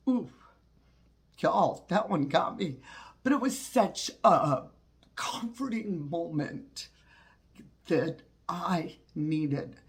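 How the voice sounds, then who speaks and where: Congested low-voiced man, folksy talk. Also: gravelly. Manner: folksy, heartfelt, many fillers and restarts. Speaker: witchcraft channel host. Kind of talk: personal reflective talk.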